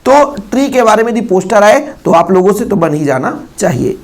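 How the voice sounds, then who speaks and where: A male teacher giving an exam-prep lesson to students, with a gravelly voice and an Indian accent when he reads English, repeating phrases and asking rhetorical questions. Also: sits high, lively intonation, a little fast.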